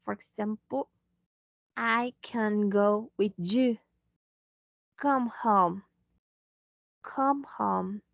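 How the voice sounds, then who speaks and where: Slow-talking woman English teacher. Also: medium pitch, creaky, no echo, muffled recording. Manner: slow, patient, switching into Spanish to explain. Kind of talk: online English lesson.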